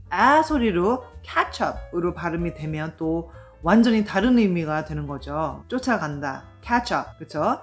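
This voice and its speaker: Woman, speech therapist, pronunciation lesson, low voice, careful demonstrations, faint music behind. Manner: slow, exaggerated model pronunciations with explanations.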